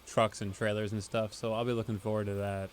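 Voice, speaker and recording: A man co-hosting a casual podcast, explaining at length in a relaxed way with many fillers. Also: on the low side, fairly quick, crowd noise. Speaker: podcast co-host, band member. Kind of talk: casual chat.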